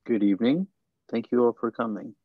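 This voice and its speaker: A man reading the part of a small-town reverend addressing his church, measured and solemn. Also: mid-range voice, no echo, narrow, tinny audio, lightly acted. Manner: measured, preaching. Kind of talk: script table read.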